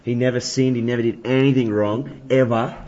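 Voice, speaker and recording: A man's voice: medium pitch, fairly even intonation, fairly quick, dark tone. A man hosting a playful chat, explaining his faith to a band in a joking, preachy way. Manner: jokey, preachy. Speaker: host. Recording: dull lo-fi audio.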